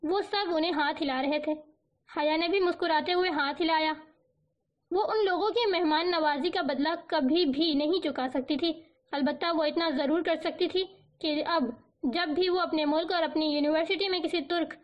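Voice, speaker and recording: A woman narrating a novel as an audiobook, with a steady, even storytelling delivery. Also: very high voice. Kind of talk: scripted novel reading. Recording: dull lo-fi recording.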